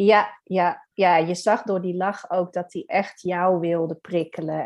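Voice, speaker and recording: A woman at a fairly low pitch and a very slow pace, with hardly any pauses and a quiet background. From Netherlands. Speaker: coach for office assistants. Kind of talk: interview.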